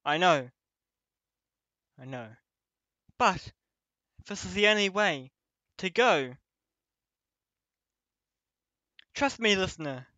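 A man playing a protective young companion leading an escape in an ASMR roleplay, speaking haltingly in short phrases. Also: high-pitched, expressive, bright, forceful tone, no echo, dull audio, heavily acted. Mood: urgent, reassuring.

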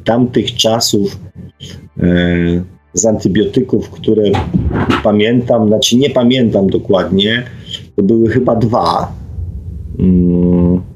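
A man's voice: lowish voice, slow pace, long pauses, a little mellow, lo-fi sound. A middle-aged man from Poland hosting an unscripted radio talk in a reflective, hesitant manner, often ending phrases with a questioning tag. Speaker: radio host. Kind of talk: unscripted radio monologue, reflecting and reading listener comments.

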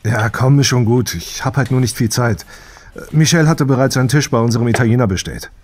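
An actor playing an easygoing, dutiful test pilot and older brother in an audio drama, casual and thoughtful. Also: male voice, medium pitch, brisk, darkish tone, natural voice. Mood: mildly impatient.

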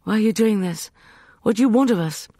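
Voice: mid-range voice, fairly quick, warm tone, no echo, clean studio sound, voice pushed up, natural voice. A narrator voicing a shocked but determined young woman held captive, speaking urgently.

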